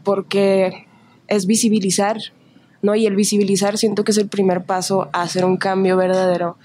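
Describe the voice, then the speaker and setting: A young woman from Tijuana with a northern Mexican accent, a musician guesting on a podcast, bubbly and quick to laugh. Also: medium pitch, little pitch movement, darkish tone, a little hiss or hum. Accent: northern Mexican Spanish (Tijuana). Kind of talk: casual interview chat.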